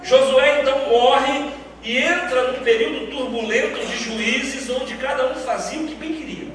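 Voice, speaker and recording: A man's voice: extremely high pitch, moderate pace, fairly bright tone, a little hiss or hum. A middle-aged man preaching a sermon in a large church, emphatic and full of rhetorical questions. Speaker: pastor. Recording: echoey hall from far off.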